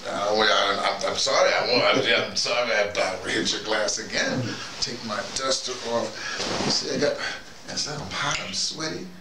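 This personal video dispatch is hosted by a low-voiced, middle-aged man from North America. He talks to camera in a loose, halting way, repeating himself and wandering into digressions. The mic is distant, the room echoes, and background noise comes through clearly.

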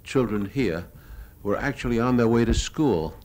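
A man's voice: medium pitch, expressive, normal speed, a little mellow. An American man narrating his own war footage off the cuff as a cameraman, matter-of-fact and hesitant as he reminisces. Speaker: newsreel cameraman. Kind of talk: unscripted narration of his own home movies. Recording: noisy old live talk recording.

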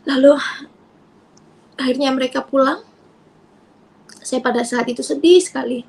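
A woman giving an emotional personal testimony as a convert, tearful at times, dropping to soft near-whispers and rising to raised outbursts. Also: high-pitched, steady tone, moderate pace, creaky, breathy edge.

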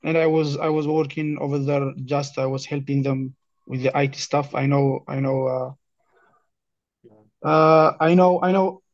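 A young Ethiopian man with a fairly high, even voice speaks haltingly in a casual conversation. His accent is Ethiopian and he often repeats words. The sound is a dull, lo-fi online call. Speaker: career guidance client, refugee newcomer. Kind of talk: casual conversation, introducing himself.

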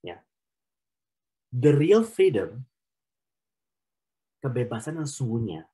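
A man's voice: mid-range voice, big pitch swings, slow, mellow, rough recording. A man preaching conversationally at an online prayer meeting, slipping English phrases into his talk. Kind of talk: casual sermon.

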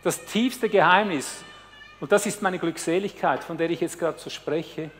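A man preaching a sermon with intensity, talking straight to his listeners and swinging from hushed words to loud cries. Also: fairly high pitch, normal speed. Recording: long hall reverb.

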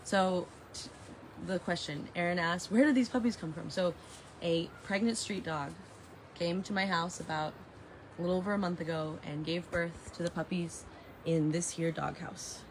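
Raspy woman in her 30s rambling on a livestream, lowish voice, bit of outdoor noise on the phone mic. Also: normal speed. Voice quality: raspy from heavy singing. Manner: animated, dramatic storytelling with emphatic repeats. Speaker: vlogger on a live stream. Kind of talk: casual rambling live chat to viewers. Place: open porch of a house and its garden, outdoors. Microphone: phone at arm's length. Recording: noisy outdoor phone recording.

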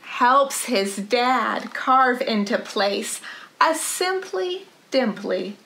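A middle-aged woman leading a storytime for young children in an animated, rhythmic sing-song delivery, recorded in a living room. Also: on the high side, extremely slow, creaky, a little hiss or hum. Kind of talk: children's storytime read-aloud.

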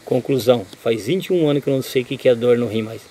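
An older man with a Brazilian accent, chatting as a guest and telling stories with halting restarts and repeats. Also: mid-range voice, mellow. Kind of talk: casual chat.

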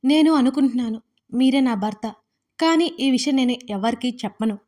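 Woman voicing tearful young bride in audio storybook, frightened yet stubborn, soft pleading, high voice. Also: moderate pace, lightly acted.

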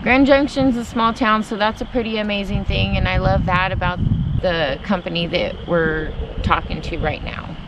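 Seated in camp chairs in a sunny yard, a young homesteading vlogger with a mid-range, fairly even voice chats casually at a normal speed. She's upbeat and finishes her partner's sentences, captured by a camera a few meters away with noisy outdoor audio.

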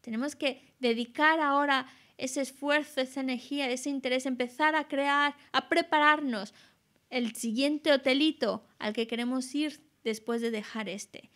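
A woman explaining Buddhist teachings as an interpreter, in a measured way with many restarts. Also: sits high, steady tone, a bit bright.

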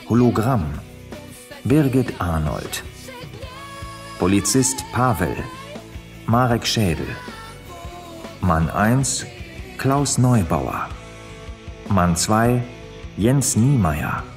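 A man's voice: fairly low pitch, a little mellow. A man reading scripted end credits as an announcer for an audio drama.

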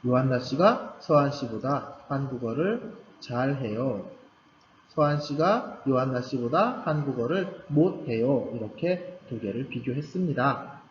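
A man's voice: mid-range voice, animated, measured pace. A man teaching a Korean language class to beginners, patiently repeating key points with emphasis. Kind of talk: recorded grammar lecture for beginners. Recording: roomy, slightly dull recording with faint background hum.

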